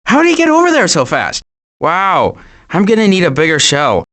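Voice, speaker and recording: Anxious, animated cartoon turtle. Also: male voice, high-pitched, normal speed, exaggerated voice. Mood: alarmed, urgent. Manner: fretful, wry grumbling. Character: anxious, cautious male cartoon turtle, exasperated worrier. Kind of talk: animated video game voice acting.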